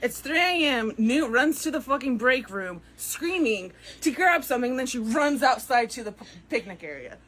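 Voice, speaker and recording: A woman's voice: high voice, animated, moderate pace, few pauses, fairly bright tone, low-quality recording. A woman guest telling stories in casual chat, blunt and swearing freely. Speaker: guest co-worker.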